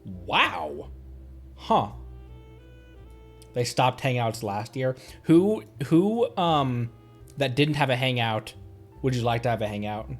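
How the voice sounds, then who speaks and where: With soft game music behind him, a man streaming a video game speaks in an animated mid-range voice, taking it slowly and pausing often. He chats casually and rambles while thinking aloud.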